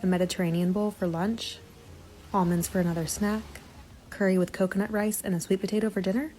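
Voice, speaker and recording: A woman's voice: medium pitch, level tone, a little fast, mellow, poor audio. A woman narrating a short clip about what she ate in a day, in a breezy, list-like voice-over. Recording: clip played with music behind.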